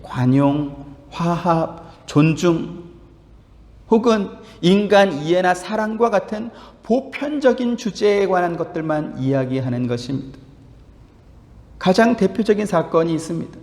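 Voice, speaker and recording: Fervent pastor preaching in an echoey church. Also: male voice, animated, a little slow. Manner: rising to a loud, fervent pitch on key claims. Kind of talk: sermon. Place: church sanctuary. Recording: echoey church hall with long reverb.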